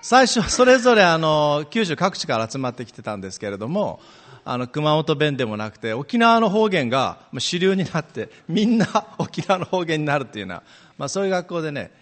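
A middle-aged man from Amami Oshima, a guest preacher telling personal stories in a chatty, animated way with many fillers, recorded in a church. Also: on the high side, fairly quick. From Amami Oshima, Japan. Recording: long reverb of a church hall.

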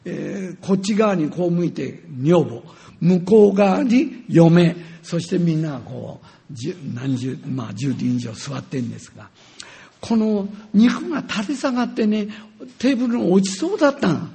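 Older male preacher, high gravelly voice, animated storytelling testimony. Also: normal speed. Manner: animated, acts out scenes with sound words.

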